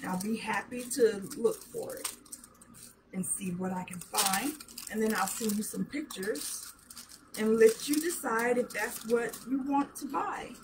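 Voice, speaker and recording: A middle-aged woman with a hoarse voice, chatting casually as she shows jewelry to a webcam in a small room. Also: fairly high pitch, background noise. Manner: chatty, slow, showing items up close. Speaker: jewelry seller. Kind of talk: live sales show chat. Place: small decorated room indoors. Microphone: webcam at arm's length.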